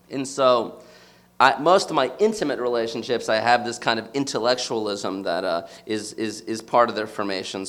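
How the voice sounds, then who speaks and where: An American man in his thirties delivers a personal talk to a live audience. His voice is mid-pitched and a bit bright, and he speaks thoughtfully, frequently pausing to find the right words.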